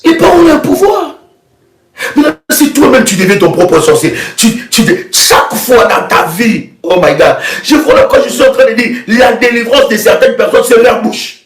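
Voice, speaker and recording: High-voiced fervent male preacher. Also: sing-song, moderate pace. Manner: fervent, repetitive declarations, sometimes shouting. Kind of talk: live prayer broadcast sermon. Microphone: live video stream. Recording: echoey room with soft music.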